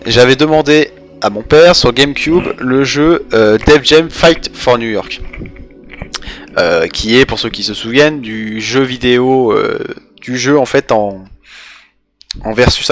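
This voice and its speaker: A man's voice: medium pitch, measured pace, a bit bright. A young French man doing casual live game commentary, rambling and hesitant as he goes. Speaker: game streamer.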